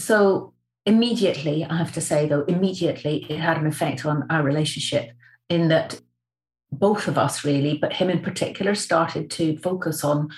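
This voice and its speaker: A woman with a fairly low pitch and a somewhat breathy voice. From Scottish Highlands. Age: 60s. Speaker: grief author and end-of-life planning nonprofit founder. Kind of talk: interview conversation.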